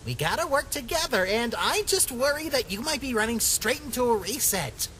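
A woman's voice: fairly high pitch, sing-song, normal speed, fairly bright tone, a little hiss or hum, low-quality recording. A woman voicing an anxious, protective talking flower in a comic dub, earnest and cautioning. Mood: earnest concern.

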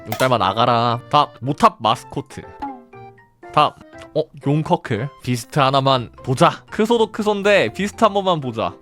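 A male game channel host giving chatty, excitable commentary on each gacha pull. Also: medium pitch, normal speed, soft background music.

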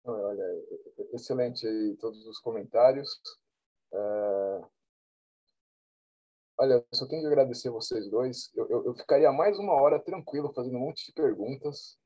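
A man hosting a webinar interview, wrapping up with relaxed, friendly closing remarks over a video call. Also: medium pitch, moderate pace, pauses often, poor audio. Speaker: host.

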